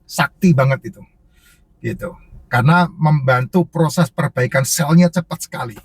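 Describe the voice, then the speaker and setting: A man's voice: medium pitch, moderate pace, gravelly, husky. A man who sells herbal drinks, answering viewer questions in casual, emphatic, repetitive advice that lists point after point.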